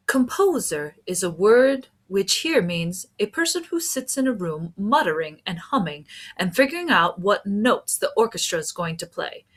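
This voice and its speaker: A young woman reading a storybook aloud in an expressive, deliberate, emphatic way, like a teacher. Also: fairly low pitch. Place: small room at home.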